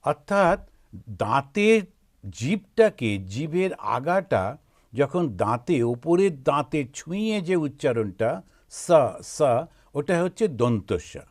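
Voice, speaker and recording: A man with a Bengali accent, a monk who chants Sanskrit verse slowly and then explains pronunciation with gentle humour. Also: a little high. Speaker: monk giving a spiritual talk. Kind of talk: chanting then spoken talk.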